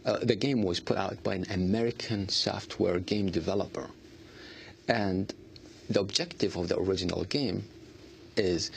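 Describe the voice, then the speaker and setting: A man answering interview questions earnestly, halting often with fillers and restarts. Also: lowish voice, gravelly, a little hiss or hum. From Iraq. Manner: halting, many fillers and restarts, non-native grammar. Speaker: artist guest.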